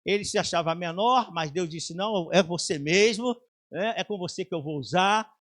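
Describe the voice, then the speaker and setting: A man's voice: high-pitched, normal speed, a bit bright. A man with a Brazilian Portuguese accent preaching a sermon as pastor, emphatic and fervent. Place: church.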